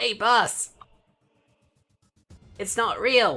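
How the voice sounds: A female-sounding put-on character voice at a fairly high pitch, with faint music in the background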